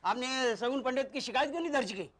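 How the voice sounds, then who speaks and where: An actor playing a shrewd, kindly older man who briskly takes charge and reassures others. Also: very high-pitched, animated, fairly bright tone. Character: shrewd, kindly older male problem-solver. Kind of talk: TV drama acting. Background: background music.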